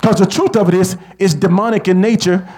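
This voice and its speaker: A man preaching a sermon, leading the congregation in call-and-response and rising to shouts. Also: sits high, steady tone, a little fast.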